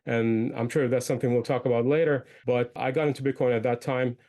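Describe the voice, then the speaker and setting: A man's voice: mid-range voice, steady tone, a little fast, mellow. A man from Iraq who moved to the United States young, speaking as an interview guest in a conversational, explanatory way. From born in Iraq, moved young to the United States. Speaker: guest, entrepreneur and podcaster.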